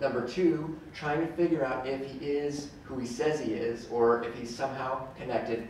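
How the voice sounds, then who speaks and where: A man talks with ordinary pitch variation, his voice carrying audible room echo over light background noise. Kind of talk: talk to audience. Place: stage.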